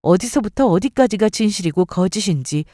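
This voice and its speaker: A woman narrating a first-person drama story in an expressive, scripted style. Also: medium pitch, fairly quick, no room sound, clean studio sound.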